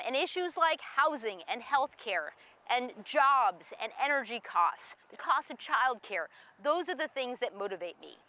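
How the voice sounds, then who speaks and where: Middle-aged woman candidate from Maine, earnest, bright, somewhat high voice, "um" fillers. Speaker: political candidate. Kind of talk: recorded campaign interview.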